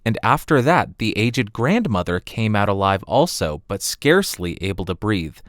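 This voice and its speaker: Lively male storybook narrator. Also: fairly low pitch, moderate pace, dry recording, clean studio sound. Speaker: audiobook narrator. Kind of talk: expressive scripted fairy-tale narration. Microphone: close studio condenser microphone.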